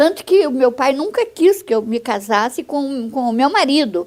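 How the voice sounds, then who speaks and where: Her voice is high in pitch, with lively intonation. The woman speaks at a fairly slow pace. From Paraná, Brazil. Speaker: political activist interviewee. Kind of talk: oral history interview.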